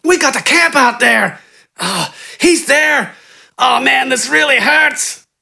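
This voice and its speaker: A man voicing a cowardly, injured bandit who whimpers, gasps in pain and pleads in a high, strained voice. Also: flat delivery, measured pace, sharp tone, heavily acted. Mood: panicked pleading. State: in pain, gasping.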